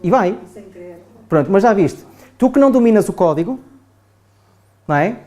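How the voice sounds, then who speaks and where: A trainer with a European Portuguese accent gives a chatty classroom lecture to adults, often asking the group "não é?". His voice is high-pitched and dark in tone, with lively intonation at normal speed.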